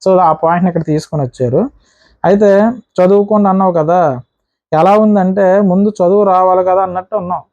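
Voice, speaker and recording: A man recapping a reality show episode in a casual, rapid way, acting out what the contestants said. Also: high voice, steady tone, darkish tone, no room sound, highs cut off.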